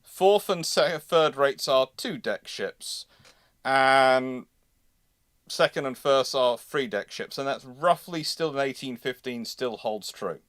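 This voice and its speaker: A man hosts a live history discussion in a medium-pitched voice. He speaks haltingly, repeating and rewording phrases as he goes. The sound is dry, with very little room in it. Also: fairly bright tone, no echo. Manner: halting, often repeats and rephrases words. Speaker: host of a naval history livestream. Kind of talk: live question-and-answer discussion.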